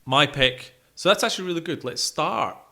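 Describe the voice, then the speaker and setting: Bright-voiced man chatting about music. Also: a little high, animated, moderate pace, vocal fry. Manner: prompting with questions, frequent short agreements. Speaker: music podcast co-host. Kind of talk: casual album review chat.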